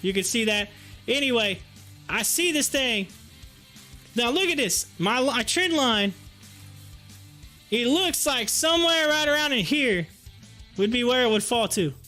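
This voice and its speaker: A man's voice: very high voice, animated, a little slow, pauses often, bright, forceful tone, faint music behind. A man hosting a livestream with casual, chatty commentary, talking informally and directly to his viewers. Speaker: livestream host. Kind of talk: casual live stock-chart commentary.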